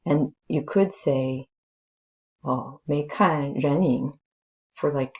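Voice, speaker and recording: A woman's voice: deep voice, takes it slowly, a little mellow, muffled recording. A woman who is a native English speaker, teaching informally as a language teacher and thinking aloud as she explains. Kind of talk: slow dramatic story read-aloud, then casual lesson commentary.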